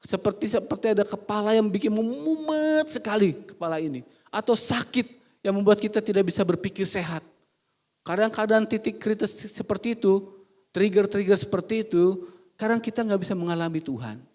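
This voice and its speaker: Speaking a little fast in a voice that sits high, a pastor delivers a lively, funny sermon to his church, asking the congregation questions and swinging from hushed remarks to loud, forceful outbursts.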